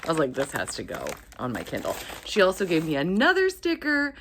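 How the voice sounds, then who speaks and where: A woman's voice: deep voice, huge pitch swings, a little fast, fairly bright tone, slight background noise. A woman hosting a book channel, chatting to camera in an enthusiastic, gushing and playful way. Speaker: host of a romance book channel. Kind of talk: excited casual book vlog to camera.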